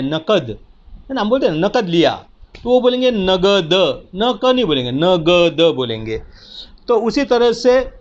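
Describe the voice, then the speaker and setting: A man with a fairly high voice gives a lecture to his students. He explains patiently, repeats key words and keeps checking that they follow. The recording is dull and lo-fi. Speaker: teacher. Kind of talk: spoken lecture. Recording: dull lo-fi sound.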